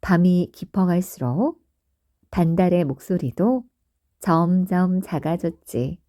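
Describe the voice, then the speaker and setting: Female bedtime-story narrator: soothing, very slow, deep mellow tone, close and dry. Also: no room sound. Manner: soft, soothing, lilting.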